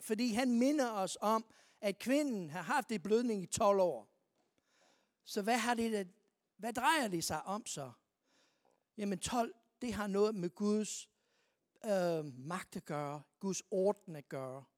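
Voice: mid-range voice, animated, no room sound. Preacher with a dry, close sound. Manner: asks the listeners repeated rhetorical questions. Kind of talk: sermon with scripture reading.

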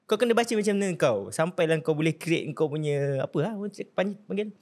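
A man from Malaysia chats casually as a poet guest on a talk show, his voice sitting a little higher than most men's. He laughs easily and thinks aloud, filling his pauses with fillers as he works toward his point. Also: darkish tone. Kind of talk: casual chat.

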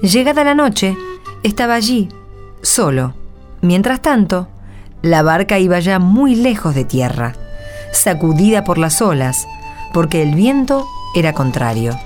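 A woman's voice: fairly low pitch, sing-song, a little slow, a little mellow, faint music behind. A woman reading scripted narration for a radio drama.

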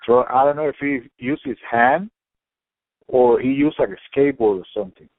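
A man from Cuba, talking in animated casual chat, swearing freely and using many fillers. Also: medium pitch, moderate pace, no room sound. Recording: tinny phone-like line.

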